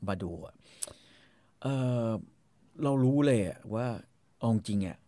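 Male co-host, casual and animated, acts out quotes; dry close recording. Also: fairly low pitch, takes it slowly, dry recording. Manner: animated, acts out quoted people with coarse slang. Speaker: podcast co-host. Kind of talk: casual film review chat.

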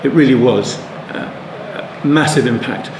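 This Bible teacher speaks at medium pitch and an unhurried pace during an unscripted Bible study. He wanders through his thoughts with frequent restarts and side remarks, recorded in an echoey room with faint background noise.

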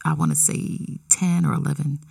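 American woman telling her story on the radio, really gravelly low voice, dry room. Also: little pitch movement, normal speed, dark tone, dry recording, far from the mic. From Florida, United States. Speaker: interview guest. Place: radio studio.

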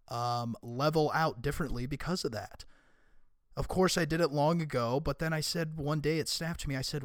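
A young man with a raspy, hoarse voice talks through a solo podcast, casual and conversational but emphatic when he makes a point. His pitch sits in a middle range. The recording is dry and close, with no room sound. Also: no echo. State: hoarse from screaming and illness. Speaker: podcast host.

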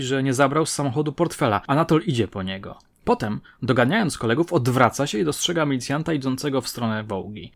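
A man narrating a true-crime story in a measured, dramatic way, letting his phrase ends drop low. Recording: faint music bed under the voice.

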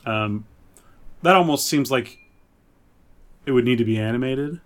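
A man's voice: medium pitch, measured pace. A man hosting a podcast, chatting casually about games and films as he reads out and reacts to suggestions. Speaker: podcast host.

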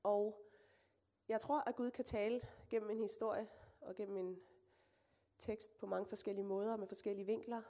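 Woman preacher, sermon, conversational asides, gravelly voice, mid pitch. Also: flat delivery, long pauses. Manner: conversational and warm-hearted, with fillers and asides. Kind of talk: sermon with scripture reading.

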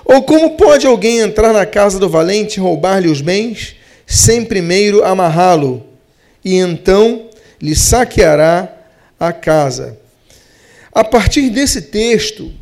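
A pastor with a Brazilian Portuguese accent preaches a sermon in a high, slightly mellow male voice. He draws out key words slowly and rushes through his asides.

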